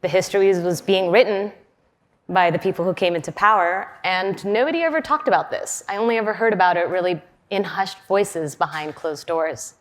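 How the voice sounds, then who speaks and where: A woman in her forties, raised in Western Canada, speaks on a conference stage in a loose, chatty keynote style. Her voice sits fairly low and swings widely in pitch, with fillers and easy laughs. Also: normal speed. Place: large conference hall.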